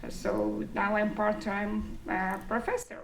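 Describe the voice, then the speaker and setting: Woman in her thirties, gravelly fry, public speaking, phrasing, distant roomy recording. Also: mid-range voice, little pitch movement, slow pace. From Estonia. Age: 30s. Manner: non-native English phrasing. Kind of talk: public speech to an audience. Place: indoor forum room with an audience. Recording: distant mic, roomy echo, faint noise.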